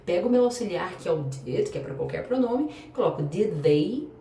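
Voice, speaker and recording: A woman's voice: fairly low pitch, lively intonation, normal speed, dark tone. A woman with a Brazilian Portuguese accent teaching English grammar in a chatty way, spelling out letters and asking rhetorical questions. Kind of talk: explaining grammar to an online class. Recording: echoey room, voice a bit far from the mic, faint background hum.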